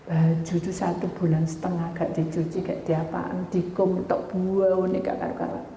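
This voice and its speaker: A woman pastor delivers a sermon full of personal testimonies. Her voice sits slightly low and mellow, and she tells her stories in an animated way, often turning to her listeners. The recording carries the long, roomy reverb of a hall, with a faint hiss of noise underneath. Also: normal speed. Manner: animated storytelling, often addressing listeners as "brothers and sisters".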